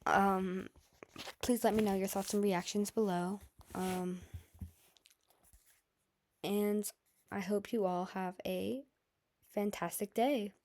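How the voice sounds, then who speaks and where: A woman reading fan fiction as an amateur narrator, with an earnest, slightly halting delivery. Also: mid-range voice, steady tone, a little mellow. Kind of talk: audiobook-style narration of an emotional story.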